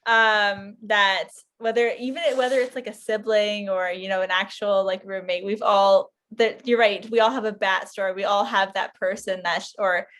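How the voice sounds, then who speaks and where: A woman's voice: medium pitch, fairly even intonation, moderate pace, hardly any pauses, a bit bright. A woman podcast panelist chatting casually and informally, feeling her way through her thoughts. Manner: informal, hesitant, frequent "like". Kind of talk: casual chat.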